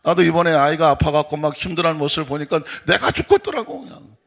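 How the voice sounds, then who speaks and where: A male pastor preaching an animated, folksy dawn-service sermon in a church, with a husky voice. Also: on the high side, quick pace. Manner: folksy, emphatic, acts out quoted congregants. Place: church sanctuary.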